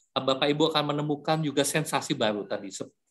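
A fairly high-pitched man talking at a very fast pace. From Indonesia, West Java. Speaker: webinar moderator. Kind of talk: webinar moderation. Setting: video call. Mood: warm, encouraging. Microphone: video call.

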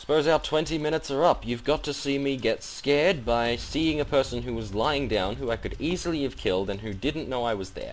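Talking at a fairly quick pace with hardly any pauses, a man with an Australian accent uses a fairly high pitch and ordinary pitch variation. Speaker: gaming YouTuber. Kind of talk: casual gameplay commentary. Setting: home computer recording.

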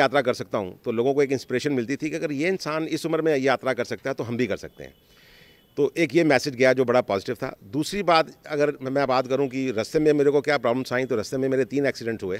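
The recording is dry with no echo, as a man talks at a moderate pace and his pitch shifts in an ordinary way. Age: 60s. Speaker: travel adventurer. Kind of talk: interview. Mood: calm, positive. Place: street. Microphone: handheld.

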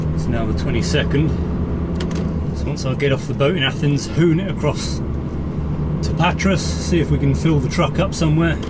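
Fairly quick male speech over loud background noise. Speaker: truck driver vlogger. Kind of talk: casual vlog chat. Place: car. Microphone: camera far.

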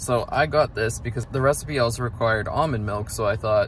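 A somewhat breathy man at a moderate pace, with a dry sound free of echo over light background noise. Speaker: vlogger. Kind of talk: casual vlog chat. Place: car. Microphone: phone near.

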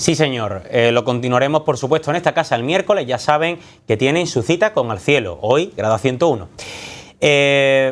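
With a Sevillian accent, a man speaks at a moderate pace with lively intonation. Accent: Andalusian Spanish (Sevillian). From Seville, Spain. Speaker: TV presenter. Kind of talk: TV talk show hosting. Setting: TV studio. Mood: serious, somber news. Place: studio. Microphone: lapel.

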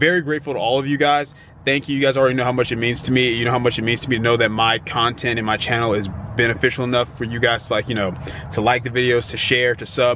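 A man talks at a very fast pace with fairly even intonation, in a dry sound with no echo and light background noise. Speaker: fitness coach vlogger. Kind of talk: casual vlog chat. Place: car. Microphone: phone near.

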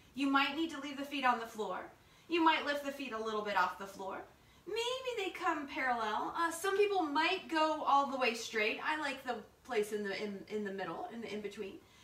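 With an American accent, a woman speaks in a high, playful, calm voice with very wide pitch swings and big shifts in loudness, and room echo is audible. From US Maryland. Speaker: yoga instructor. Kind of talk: guided yoga class instruction, cueing movements and breath. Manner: calm, gentle, encouraging; slow, steady pace with friendly playful tone. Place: home room. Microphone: camera far.

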